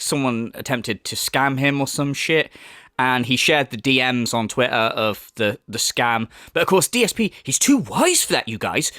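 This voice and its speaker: A man's voice: medium pitch, fairly bright tone, no room sound, studio quality. A man hosting a commentary vlog in a sarcastic, mocking way, swearing and using many fillers, his voice a little off from a cold. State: slightly off voice from a cold. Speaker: commentary channel host.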